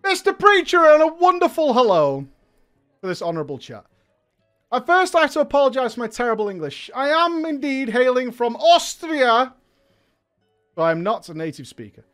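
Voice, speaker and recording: High-pitched guy streaming, loud and hyped, swears a lot, rambles off on tangents. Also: big pitch swings, moderate pace, soft background music. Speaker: streamer and show host. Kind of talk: livestream commentary reading viewer letters.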